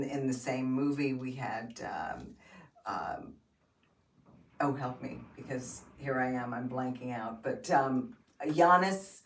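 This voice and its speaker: A woman's voice: rumbling low, far from the mic. A woman, an actress and acting coach, talking frankly and expressively as a guest in a casual studio interview. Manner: talkative, frank, expressive storyteller. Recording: roomy studio sound, off-mic.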